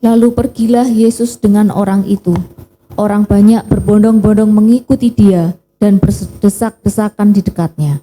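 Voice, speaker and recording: A woman reads scripture aloud in a very dark, mellow voice at a middle pitch. Her reading is steady and plain. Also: moderate pace, rough recording. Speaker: scripture reader.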